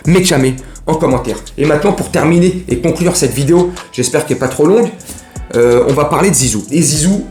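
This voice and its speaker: Male football vlogger, rambling slangy banter, slightly high voice, roomy echo. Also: a little mellow. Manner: rambling, joking, slangy, talks straight to viewers. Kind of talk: casual mercato chat to camera.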